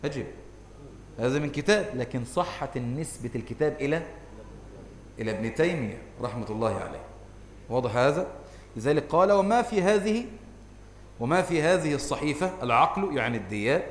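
A man with an Egyptian accent teaching a religious lesson, constantly quizzing his listeners with rhetorical questions. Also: mid-range voice. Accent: Egyptian Arabic. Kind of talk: lecture on hadith scholarship. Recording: echoey hall, faint background noise.

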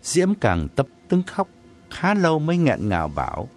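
A man narrating a story in an expressive, dramatic reading. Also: a little high, moderate pace, soft background music. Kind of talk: audiobook narration.

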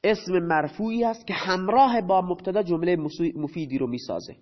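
A teacher with a fairly high voice walks through grammar by posing questions and answering them himself, slowly repeating each important term. The audio has a muffled, lo-fi quality.

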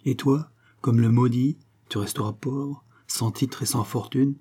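A man voicing a scheming young gypsy woman in a novel reading, speaking in a low, hushed, mocking way. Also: steady tone, unhurried, husky.

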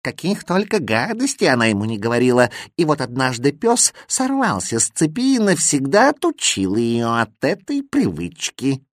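A man voicing a sober, grumbling house cat in a storybook audiobook, speaking low, slow and quietly. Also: wildly swooping pitch, no room sound, clean studio sound.

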